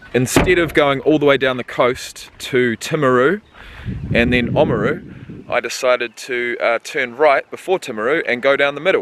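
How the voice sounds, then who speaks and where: There is noticeable background noise, but the sound is dry with no echo. A man talks at a moderate pace with ordinary pitch variation. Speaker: vlogger. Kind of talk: casual vlog chat. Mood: relaxed, upbeat. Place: street. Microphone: phone near.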